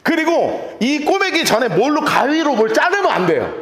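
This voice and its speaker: A man preaching a sermon as pastor, playful and animated, acting out little scenes as he teaches. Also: very high voice, normal speed, reverberant. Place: church.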